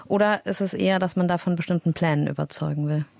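A woman hosting a radio science interview, asking calm, attentive questions. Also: fairly low pitch, quick pace, creaky, no echo, studio quality. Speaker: radio host.

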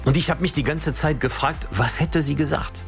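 Give me a man from France as a radio guest, earnest and halting, with music behind. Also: a little high, creaky. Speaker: interview guest. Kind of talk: interview talk.

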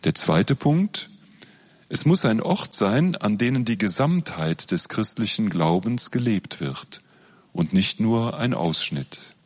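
A man giving a public lecture in a measured, explanatory way. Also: on the low side, sing-song, darkish tone.

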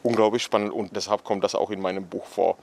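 Man, low voice, hesitant, reflective, outdoors. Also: fairly even intonation, fast, creaky, a little mellow. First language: Czech. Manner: thoughtful, hesitant, many fillers and restarts. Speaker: author guest. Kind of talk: casual walking interview. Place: outdoors in a cemetery.

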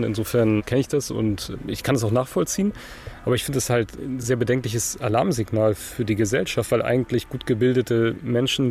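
A man from Germany giving a measured, analytical explanation in an interview. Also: medium pitch, creaky, darkish tone. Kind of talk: personal interview. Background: faint music.

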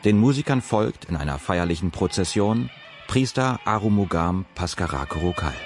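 A man reading documentary narration in a calm, measured way. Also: low voice, over music. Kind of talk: scripted narration.

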